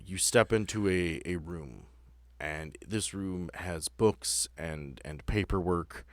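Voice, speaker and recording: A man's voice: deep voice, dry recording. A man acting as game master, improvising scene narration and bantering with his players.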